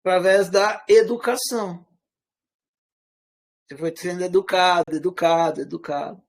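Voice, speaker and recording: A man with a fairly high voice and a Brazilian accent that mixes Minas Gerais with rural caipira. He lectures in a loose, conversational way and keeps asking his listeners questions. His pitch and loudness swing widely as he makes his points. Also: steady tone, moderate pace. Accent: Brazilian Portuguese, part Minas Gerais, part rural caipira. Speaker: teacher. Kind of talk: informal spoken lecture.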